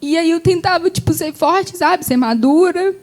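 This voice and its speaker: A woman's voice: very high voice, moderate pace, darkish tone. A young Brazilian woman, a gospel singer, telling an emotional personal testimony in a TV interview. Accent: Brazilian Portuguese. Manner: tells her story with feeling, fillers like "sabe?".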